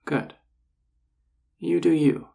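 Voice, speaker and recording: A man playing a flirty, self-assured enchanter boss in an audio roleplay, teasing and coaxing the listener in a husky, gravelly voice. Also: fairly high pitch, very slow, dark tone, full character voice. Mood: amused, challenging. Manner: teasing, coaxing, casually confident. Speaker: voice actor. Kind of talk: intimate scripted audio roleplay addressed to the listener.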